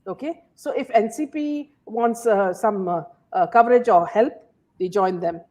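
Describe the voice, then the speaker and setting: A woman's voice: medium pitch, measured pace, dark tone. Female host, casual commentary, heavy filler words. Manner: many fillers and "you know"s.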